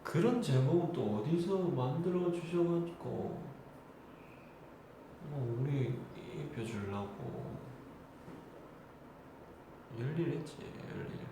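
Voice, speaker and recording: A man's voice: a little high, lively intonation, takes it slowly, pauses often. A young man in his twenties chatting casually and laughing with fans on a live stream. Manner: chatty, laughing, polite speech. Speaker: idol hosting a live stream. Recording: very echoey room with clear background noise.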